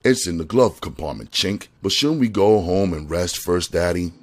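A man reading an audiobook, voicing a devoted young woman who speaks to her man in a soft, coaxing, raised voice. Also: deep voice, animated, normal speed.

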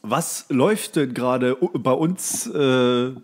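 A male podcast co-host with a mid-pitched voice. He talks in casual banter, playful and joking, as if with a friend. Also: slow.

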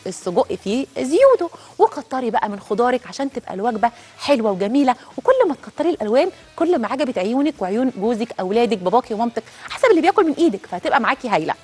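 A woman's voice: on the high side, darkish tone, slightly rough. A woman with an Egyptian accent hosting a cooking show, chatting directly to viewers as she cooks. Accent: Egyptian Arabic. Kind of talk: cooking demonstration.

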